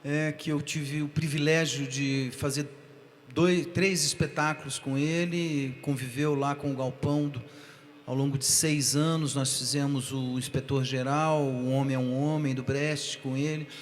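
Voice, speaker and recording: A man on a theater stage speaking earnestly and warmly admiring, with some restarts, in a panel talk. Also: medium pitch, fairly even intonation, unhurried. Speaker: guest actor, theater group founder. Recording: echoey theater hall.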